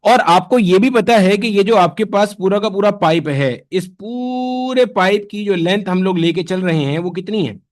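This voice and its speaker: A man leads a physics lesson in a high, bright-toned voice. He talks to the class casually, firing off questions and answering them himself. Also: normal speed, few pauses. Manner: conversational, answers his own questions in students' voices. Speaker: physics teacher. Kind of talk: classroom lecture.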